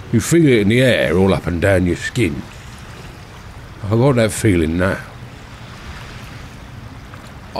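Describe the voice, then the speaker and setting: A man's voice: mid-range voice, a little mellow, slight background noise. An actor playing a good-natured working-class handyman with rambling, homespun speech in an audio drama monologue. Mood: uneasy.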